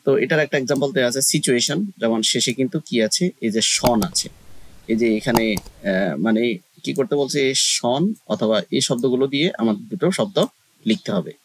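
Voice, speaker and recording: A man's voice: medium pitch, normal speed, poor audio. A man giving a casual English lesson, explaining step by step with frequent hesitations. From Bangladesh. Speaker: online English tutor.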